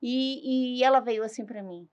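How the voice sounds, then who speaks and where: A woman giving a personal faith testimony as a talk show guest, in an animated storytelling manner that reenacts dialogue. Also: fairly high pitch, a little slow, muffled recording.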